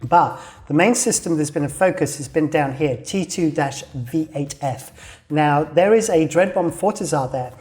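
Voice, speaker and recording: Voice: medium pitch, normal speed, a little mellow. Chatty host rambling over a map. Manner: chatty, rambling, many fillers and self-corrections; laughs at own doodling while drawing on screen. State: slightly losing voice. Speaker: host of a weekly game news show. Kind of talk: casual news rundown over a map. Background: faint background music.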